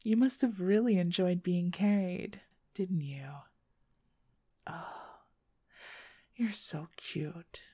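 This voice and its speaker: A young woman in an intimate audio roleplay, talking softly and coaxingly and often whispering close to the microphone. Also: fairly low pitch, slow, long pauses, slightly rough, no echo.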